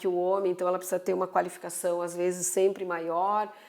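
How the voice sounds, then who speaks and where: The speaker is a woman. Her pitch is medium. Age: 60s. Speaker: politician. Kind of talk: interview. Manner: halting.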